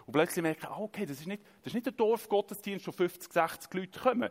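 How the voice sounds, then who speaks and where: A man with lively intonation, on a very clean recording with a silent background and a dry, close sound with no echo. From Zurich region, Switzerland. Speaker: pastor. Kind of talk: sermon.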